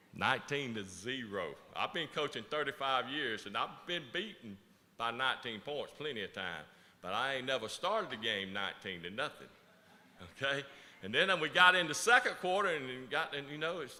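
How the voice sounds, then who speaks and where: Talking at a fairly quick pace, a man with a Southern US accent moves through very wide pitch swings. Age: 60s. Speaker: school basketball coach. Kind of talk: awards ceremony speech. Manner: informal, folksy.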